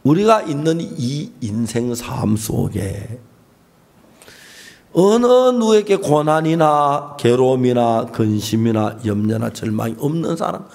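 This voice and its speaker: A man preaching a sermon in church as pastor, telling stories and acting out the voices in them, often clearing his throat. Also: mid-range voice, animated, slow pace, a little mellow. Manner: storytelling, acting out the voices of the people in his story.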